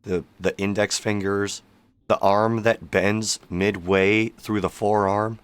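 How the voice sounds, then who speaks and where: A man's voice: fairly low pitch, flat delivery, takes it slowly, clean tone. A man streaming a game with wry, mocking commentary, his voice worn from sickness and long hours of talking. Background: game audio and music.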